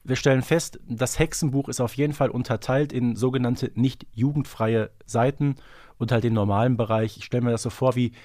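A man's voice: mid-range voice, steady tone, brisk, warm tone, no echo. Dry-sounding male podcast co-host, explanatory. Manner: explanatory, thinking aloud. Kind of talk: casual analytical discussion of an audio drama series.

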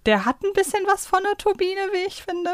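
A woman's voice: very high voice, very animated, brisk, no echo, studio quality. A woman talking casually and analytically as a podcast co-host, explaining in loose, chained sentences. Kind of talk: casual conversational fan podcast talk.

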